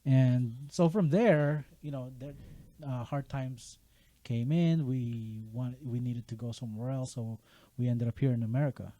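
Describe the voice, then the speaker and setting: A man from the Philippines, a game app developer, telling his story as a podcast guest in a relaxed, casual way. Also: medium pitch, unhurried, no room sound. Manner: relaxed storyteller, casual slang, laughs easily. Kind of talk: casual interview chat.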